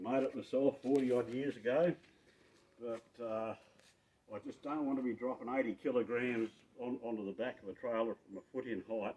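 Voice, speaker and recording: This man speaks with an Australian accent at a medium pitch. His tone is dark and mellow. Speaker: amateur firewood gatherer and home metal fabricator. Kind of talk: casual how-to talk to camera. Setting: outdoors.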